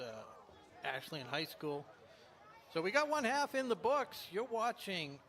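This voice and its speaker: A man's voice: on the high side, a bit bright. A man doing live play-by-play commentary for a local football broadcast, outdoors at the field.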